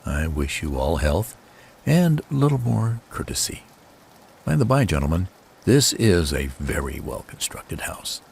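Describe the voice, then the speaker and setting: A man's voice: deep voice, very animated, a little slow, vocal fry, darkish tone, slightly rough, heavily acted. A man voicing a smug, boastful murderer in a gothic horror story, speaking with theatrical, gloating courtesy. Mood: smug bravado.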